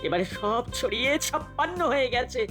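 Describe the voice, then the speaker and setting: Animated, cheeky cartoon boy. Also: high-pitched, brisk. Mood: worried. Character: cheeky, wordplay-loving mischievous young boy. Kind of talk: cartoon comedy acting. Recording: music behind the voice.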